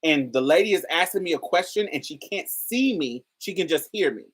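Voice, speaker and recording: A woman with a particularly deep voice, hosting a casual commentary and talking straight to her viewers in an emphatic, chatty way. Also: lively intonation, fairly quick, breathy edge. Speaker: host.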